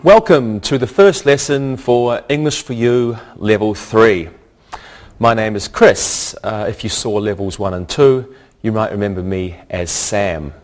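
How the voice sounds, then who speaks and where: Male lesson host, deep-ish voice, very slow, careful classroom delivery. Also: darkish tone, soft background music. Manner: slow, carefully pronounced, repeats words for learners. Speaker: English teacher and host. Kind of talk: scripted language lesson.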